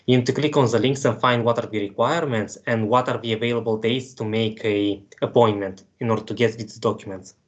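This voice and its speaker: A man's voice: medium pitch, steady tone, a little fast, few pauses. A man in his twenties from Moldova, steadily reading a prepared presentation with practical tips. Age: 20s. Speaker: student presenter. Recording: dull lo-fi sound.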